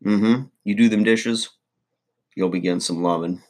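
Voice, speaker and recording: A man's voice: on the low side, fairly even intonation, normal speed, a little mellow, close to an everyday voice. A man playing a crude, boastful middle-aged redneck uncle, rambling folksy advice in a comedy monologue.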